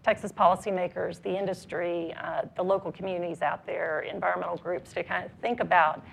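A woman on a panel, speaking with a scratchy voice in a measured, explanatory way with frequent ums. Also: lowish voice, flat delivery, creaky, slightly rough. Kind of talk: panel discussion. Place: conference stage.

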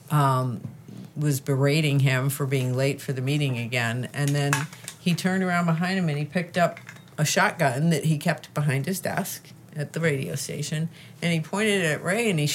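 A woman's voice: sits low, fairly even intonation, a little slow, a little hiss or hum. A woman co-hosting a casual podcast chat, telling a rambling story with amused laughter. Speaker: podcast co-host.

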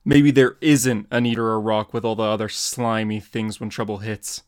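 A man voicing a grim, determined male masked vigilante in a dramatic comic reading, earnest and measured. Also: fairly low pitch, flat delivery, smooth, no echo, clean studio sound, close to an everyday voice. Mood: stern.

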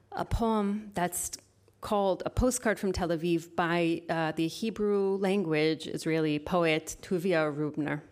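Woman poet speaking at a reading. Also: medium pitch. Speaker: poet reading at an event, university lecturer. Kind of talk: live poetry reading with informal introduction. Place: live literary event before an audience. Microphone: event microphone.

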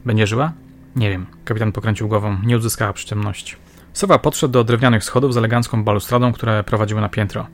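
A man reading a crime novel aloud in scripted, measured narration. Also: fairly low pitch, fairly even intonation. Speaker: audiobook narrator.

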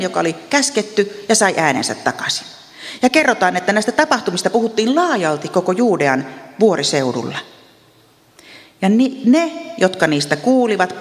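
Ostrobothnian lady telling bible stories, chatty and a bit funny, echoey hall sound. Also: mid-range voice. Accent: Ostrobothnian Finnish. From Ostrobothnia, Finland. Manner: lively, chatty asides with gentle humor. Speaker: Bible teacher. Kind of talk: devotional Bible storytelling.

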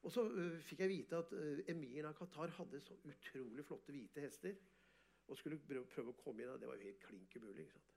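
A man's voice: fairly high pitch, creaky. Guy, artist, bragging about his work, lots of energy and laughing. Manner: animated, boastful, bursts of laughter. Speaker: artist and photographer guest. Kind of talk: casual storytelling interview.

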